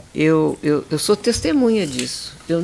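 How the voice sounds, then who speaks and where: A woman's very deep, low-pitched voice at a very slow pace. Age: 70s. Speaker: elderly rights advocate. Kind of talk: TV panel discussion. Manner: halting, repeats words.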